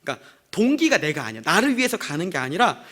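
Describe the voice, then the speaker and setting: A man's voice: sits high, sing-song, fast, a bit bright. A man preaching a sermon as a pastor to his congregation in church, in a conversational way with rhetorical questions. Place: church sanctuary.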